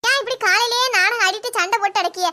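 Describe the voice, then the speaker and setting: A woman voices a young daughter-in-law who quickly argues back in an indignant tone. Her voice is very high and bright, and she talks fast. It is a comic family skit.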